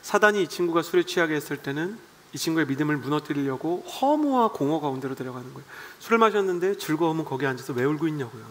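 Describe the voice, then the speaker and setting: A man's voice: fairly high pitch, lively intonation, fast. A man preaching a sermon to young adults as their pastor, telling stories and acting out the voices in them. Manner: storytelling, acting out quoted voices. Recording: long hall reverb.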